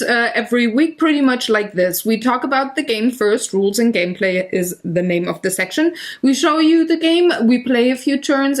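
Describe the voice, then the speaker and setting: German-accented woman, playful podcast host. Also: on the high side. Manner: playful, laughs often, self-mocking. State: coughing, using cough drops. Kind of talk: casual chat.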